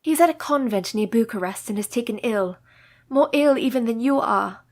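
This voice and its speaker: An actress playing a caring, composed young woman who speaks in steady, formal period English in a radio play. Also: fairly high pitch, normal speed, no room sound. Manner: steady, reassuring, formal speech.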